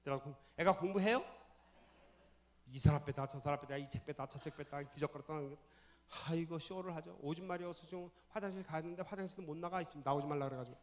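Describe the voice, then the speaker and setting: Male pastor, sermon, high voice, animated, questions the congregation, church. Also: fast. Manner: animated, quizzes the congregation and acts out scenes.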